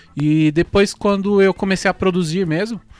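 A man is speaking at a moderate pace. The sound is dry with no echo. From Carapicuíba, São Paulo state, Brazil; São Paulo state, Brazil. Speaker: DJ and music producer; DJ, guest. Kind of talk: casual interview. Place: studio. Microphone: studio mic.

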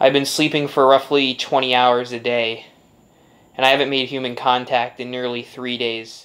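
Intonation stays flat and monotone as a man talks. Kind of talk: diary-style monologue. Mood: grim, hushed, weary. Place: home room. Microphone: phone near.

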